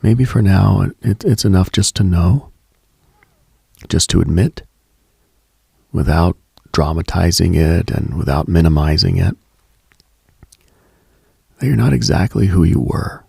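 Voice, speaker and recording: Late-night radio host, male, very husky with gravelly fry, contemplative, halting delivery, intimate reflective monologue. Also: sits low, lively intonation, a little mellow, dry recording, clean studio sound. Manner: slow, contemplative, halting with pauses.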